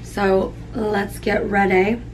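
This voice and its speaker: A young woman chatting casually to camera in a vlog, her voice hoarse and worn after days of nonstop talking, upbeat, with lots of "like" fillers. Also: mid-range voice, little pitch movement, takes it slowly, low-quality recording. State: hoarse, voice partly lost. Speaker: lifestyle vlogger. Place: hotel room and home bedroom, indoors. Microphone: camera facing her at arm's length.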